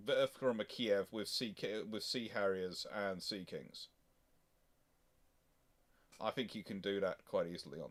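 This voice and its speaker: A man hosting a casual naval history stream, explaining in a halting, digressive way and often correcting himself mid-thought. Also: medium pitch. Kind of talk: casual unscripted expert discussion. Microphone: voice call or live stream microphone.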